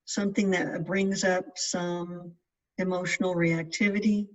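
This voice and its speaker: A meditation guide giving gentle, measured instructions in spaced-out phrases. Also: medium pitch, little pitch movement. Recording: distant mic, dull lo-fi sound.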